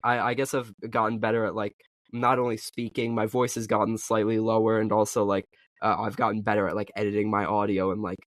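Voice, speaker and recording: A young man in a casual podcast chat, his voice sitting a little low. He talks in loose, halting runs packed with "like" and "uh". The sound is dry and close, with no room in it. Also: little pitch movement, no echo. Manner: halting, filler-heavy, lots of "like". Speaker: podcast co-host and video creator.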